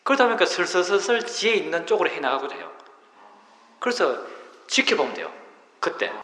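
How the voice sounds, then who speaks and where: A man's voice: high voice, huge pitch swings, a little fast, pushed and bright. A middle-aged man, a Buddhist monk giving a dharma talk to meditators, explaining patiently and asking rhetorical questions. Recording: roomy hall reverb.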